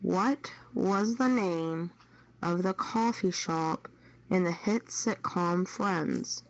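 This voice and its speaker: A woman's voice: lowish voice, takes it slowly, no echo. A woman hosting a quiz, reading out questions in an unscripted way over a muffled radio chat channel. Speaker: trivia quiz host.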